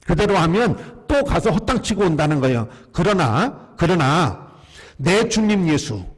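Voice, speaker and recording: A man's voice: fairly high pitch, big pitch swings, a little slow, slightly rough, in a large hall. A male pastor preaching a sermon, asking the congregation questions and having them repeat lines after him. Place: church sanctuary.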